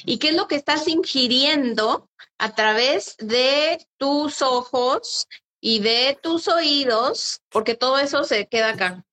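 Woman, fairly high voice, affirming, casual Bible chat. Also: lively intonation, bright, forceful tone, poor audio. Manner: affirming, reads scripture aloud slowly. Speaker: co-host of a Bible talk show.

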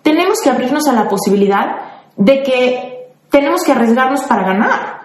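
A woman's voice: high-pitched, animated, moderate pace, echoey room. A woman with a Mexican accent, a life coach hosting a podcast, giving listeners motivational advice in a conversational way. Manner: warm, conversational, answers listeners by name.

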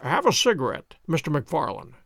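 A man voicing a composed detective who speaks in a measured, precise, dryly amused way. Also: a little high, big pitch swings, creaky, a bit bright, no room sound, studio quality, exaggerated voice. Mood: calm dry. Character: cool, ironic male detective, composed.

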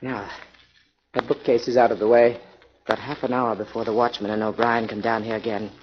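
An actor playing a cornered, murderous jewel thief with an American accent in a 1940s radio drama, agitated and threatening. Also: male voice, mid-range voice, level tone, a little fast, lightly acted. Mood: furtive, alarmed. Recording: noisy, dull 1940s radio recording.

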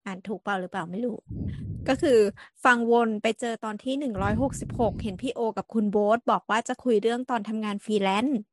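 A woman co-hosting a podcast, playfully reading out a listener's question in a halting way. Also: mid-range voice, dry recording.

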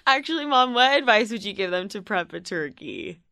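A woman's voice: medium pitch, big pitch swings, brisk, vocal fry, pushed and bright, dry recording, studio quality. A woman in her twenties hosting a casual podcast, giggly and playful, swearing casually. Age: 20s. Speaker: podcast host.

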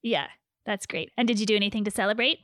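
A woman interviewing a guest for a broadcast, affirming and asking questions in a friendly way with quick back-channel replies. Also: medium pitch, fairly even intonation, fairly bright tone, no echo. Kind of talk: radio interview.

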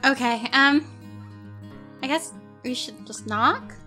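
A woman's voice: sits high, slow pace, sharp tone, faint music behind. A woman playing a tabletop game, tentative and musing as she speaks.

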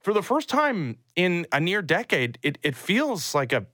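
A man's voice: sits high, sing-song, unhurried, fairly bright tone, dry recording. A man hosting sports talk radio, emphatic and opinionated, close on a studio mic. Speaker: sports radio morning show host. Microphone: close studio microphone.

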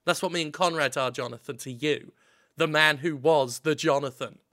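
Bright high-voiced joking man. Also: moderate pace. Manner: playful, joking, puts on silly voices. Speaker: podcast co-host. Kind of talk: comedic banter.

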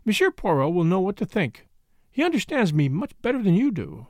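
Man voicing a knowing, high-pitched middle-aged sister. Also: wildly swooping pitch, fairly quick, no echo, full character voice. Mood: knowing, pointed. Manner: pointed, knowing. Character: narrator's sharp-tongued, self-assured middle-aged sister.

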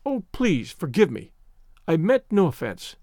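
A man's voice: a little high, sing-song, unhurried, darkish tone, no room sound, clean studio sound. A man voicing a proud, earnest young farm girl who speaks hesitantly. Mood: pleading.

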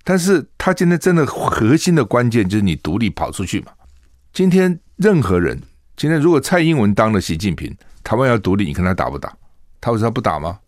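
An older man with a Taiwanese Mandarin accent, hosting a political commentary talk show, animated and full of rhetorical questions. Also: on the low side, fairly quick, no room sound, clean studio sound. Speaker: radio talk show host.

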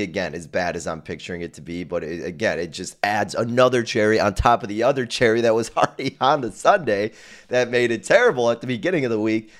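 Slightly hoarse guy hosting a betting podcast, lowish voice, slangy and rambly. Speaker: podcast host. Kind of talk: casual sports betting podcast monologue.

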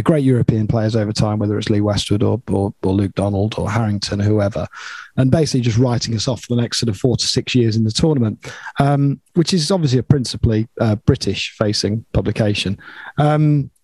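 A man's voice: lowish voice, brisk, a little mellow, breathy edge, dry recording. A man hosting a casual sports discussion, talking discursively and often tagging points with a question. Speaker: podcast host steering the agenda.

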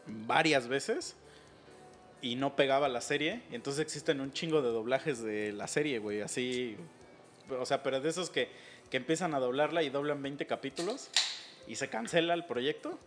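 A man's voice: mid-range voice, moderate pace, over music. A man with a Mexican accent hosting a casual, slangy chat, talking animatedly and laughing often.

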